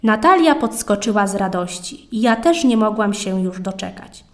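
A woman narrating a children's story in a calm, expressive read-aloud tone. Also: mid-range voice, normal speed.

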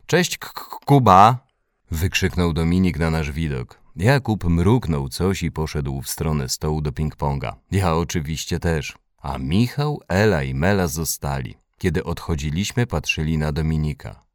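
A man reading a children's story aloud with expressive narration. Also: a bass voice, normal speed, hardly any pauses, dry recording, clean studio sound. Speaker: audiobook reader.

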